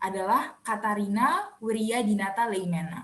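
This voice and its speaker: With a slight Jakarta accent, a woman speaks at a medium pitch with fairly even intonation, amid noticeable background noise and audible room echo. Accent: slight Betawi. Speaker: book publisher presenter. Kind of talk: book presentation in live chat.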